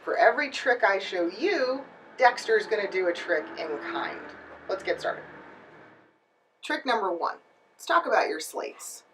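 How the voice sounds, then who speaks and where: A woman's voice: mid-range voice, animated, measured pace, fairly bright tone, recorded from a distance, slight background noise, rough recording. A woman giving instructional tips to camera as a voice-over coach and host, emphatic and speaking directly to her viewers. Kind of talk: instructional video talk to camera.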